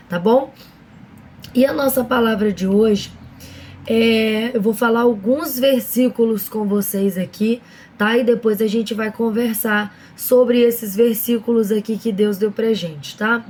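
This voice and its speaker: A woman with a hoarse, somewhat high voice hosts a relaxed devotional chat, often checking in with her viewers. She slows down and stresses each word as she reads scripture aloud. A faint hiss of noise sits under the recording. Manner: speaks slowly and deliberately when reading verses; frequent fillers and direct address to viewers. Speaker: online devotional host. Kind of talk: casual devotional chat with Bible reading.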